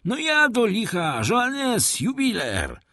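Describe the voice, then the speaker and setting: A man reading an audiobook and voicing a hearty travelling jeweler who talks in a brisk, grumbling way. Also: lowish voice, sing-song, fairly bright tone, slightly rough, no room sound, studio quality, full character voice. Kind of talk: audiobook character voice.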